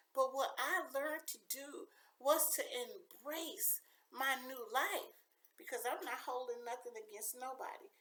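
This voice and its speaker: Speaking at a fairly slow pace in an American accent, a woman projects a raised, high-pitched voice with a bright, sharp tone. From Chicago, US. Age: 60s. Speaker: recovery ministry founder. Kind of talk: motivational talk. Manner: animated.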